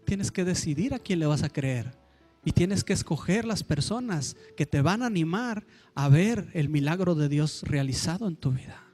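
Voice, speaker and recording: A high-voiced man with a Mexican Spanish accent preaches a sermon in church. He speaks with strong emphasis and slips into the voices of the people he quotes. Faint music plays quietly underneath. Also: expressive, normal speed.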